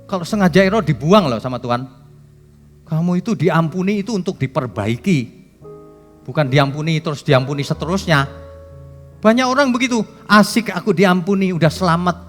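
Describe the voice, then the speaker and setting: A man preaching a sermon as pastor, emphatic and joking with the congregation, his voice swinging from loud to soft. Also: on the high side, big pitch swings, moderate pace, pauses often, long reverb tail, soft background music. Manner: jokes with the congregation.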